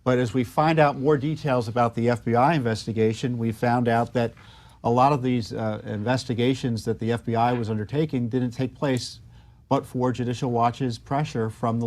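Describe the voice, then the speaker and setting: Mid-pitched American man giving political commentary. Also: a little mellow.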